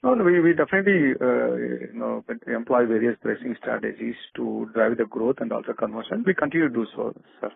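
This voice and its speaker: Husky Indian man on a phone line. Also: medium pitch, animated, no room sound. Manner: halting, repetitive, hedging with restarts. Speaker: company executive answering questions. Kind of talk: unscripted earnings call answers. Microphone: telephone conference call. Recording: narrow muffled phone conference line.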